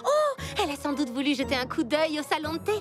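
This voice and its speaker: Excitable, high-pitched cartoon girl. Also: fast, over music. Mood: concerned. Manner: animated, emphatic, exclamatory. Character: excitable, eager young girl friend in children's cartoon. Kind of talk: French cartoon dubbing.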